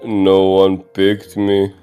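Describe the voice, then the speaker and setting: A man's voice: deep voice, completely flat delivery, drawn-out words, dark tone, clear, resonant tone, faint music behind. A man co-hosting a game stream, chatting in a laid-back, hesitant way. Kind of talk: casual gameplay chat. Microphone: desk mic.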